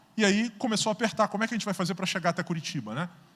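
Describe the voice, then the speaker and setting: A man with a Carioca accent speaks in an animated tone. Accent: carioca (Rio de Janeiro) Brazilian Portuguese. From Brazil, Rio de Janeiro. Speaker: guest preacher. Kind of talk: sermon. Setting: church.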